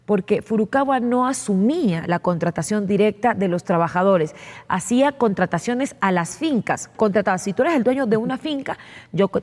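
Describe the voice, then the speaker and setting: A woman lawmaker explaining her views in a televised interview, earnest and full of "eh" fillers and repeated words. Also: mid-range voice. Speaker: legislator being interviewed. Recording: long reverb.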